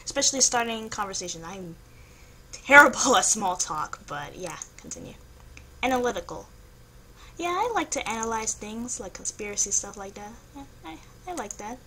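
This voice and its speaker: A woman's voice: mid-range voice, expressive, moderate pace, bright, forceful tone. A young woman vlogger chatting casually, thinking aloud in a hesitant, noncommittal way as she works through a quiz. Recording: home recording with faint background noise.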